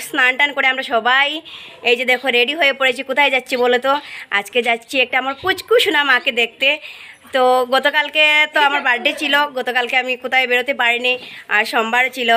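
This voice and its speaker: A woman with a Sylheti-tinged Bengali accent chatting casually to her viewers while out and about. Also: high voice. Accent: Sylheti-influenced Bengali. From India. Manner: chatty, addresses viewers directly. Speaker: vlogger. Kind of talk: casual vlog chat. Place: outdoors and in an auto-rickshaw, on the move. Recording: phone video with loud traffic noise. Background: vehicle noise.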